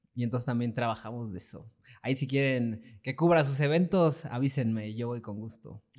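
A man's normal speaking voice at a medium pitch and a moderate pace. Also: ordinary pitch variation. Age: 20s. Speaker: podcast host. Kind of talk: casual chat.

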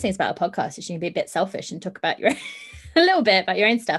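Talking at a very fast pace, a woman uses lively intonation. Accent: English. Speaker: podcast host. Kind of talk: casual interview chat.

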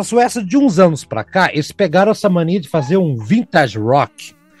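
A man at a moderate pace with very wide pitch swings, dry and close with no echo, over music in the background. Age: 40s. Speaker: podcast host and music reviewer. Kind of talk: casual chat.

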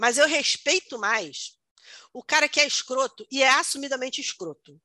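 Bright and sharp in tone, a woman speaks at a high pitch. Her voice is raised and projected. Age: 40s. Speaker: podcast host. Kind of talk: casual chat.

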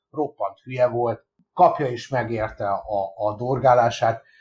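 The voice moves at a moderate pace. It sounds somewhat breathy. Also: man. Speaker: guest, musician and Liverpool fan. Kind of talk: casual podcast chat. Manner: reflective, hesitant with repetitions.

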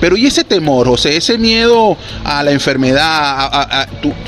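A man with a fairly high pitch and lively intonation, set against noticeable background noise. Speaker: radio host. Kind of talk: radio interview. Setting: on location at guest's home.

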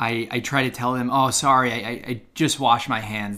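In a bright, sharp tone, a man with an American accent speaks at a moderate pace with monotone, flat intonation, in a very clean recording with a silent background. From US South, Atlanta. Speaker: podcast co-host. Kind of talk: casual chat.

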